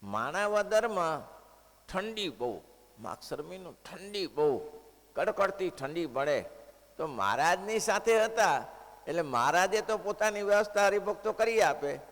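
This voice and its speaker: Gravelly, high-pitched preacher in a reverberant hall. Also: male voice, measured pace. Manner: animated storytelling, acting out dialogue, dropping to a hush for devotional moments. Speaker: preacher giving a scripture discourse. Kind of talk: sermon storytelling. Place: temple hall.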